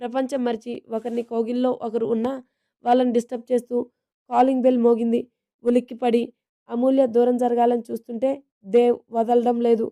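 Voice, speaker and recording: A woman narrating a romantic family story in a steady, even reading manner. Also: on the high side, fairly quick.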